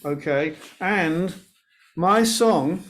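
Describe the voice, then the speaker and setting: A man's voice: sits high, very slow, a bit bright. Man chatting on a video call. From Wales. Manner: chatty, storytelling, some restarts. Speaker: guest singer-songwriter. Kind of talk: casual interview chat.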